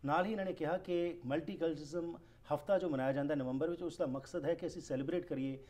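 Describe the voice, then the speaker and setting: A male talk show host who talks very fast in a mellow, warm tone, his voice a little higher than most men's. He strings long questions together and keeps agreeing eagerly with his guest. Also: fairly even intonation. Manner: rapid, eager, many affirming backchannels. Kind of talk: interview questions and bilingual recap.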